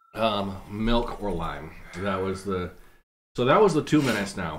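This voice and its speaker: A man speaks with lively intonation, and audible echo fills the room. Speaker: streamer hosting hot sauce challenge. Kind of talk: casual live stream chat. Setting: live stream.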